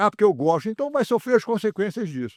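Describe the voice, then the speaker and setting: In a very clean recording with a silent background and a dry, close sound free of echo, a man talks at a very fast pace. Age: 70s. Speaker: martial arts family member, diet advocate. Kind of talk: podcast interview. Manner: casual, conversational.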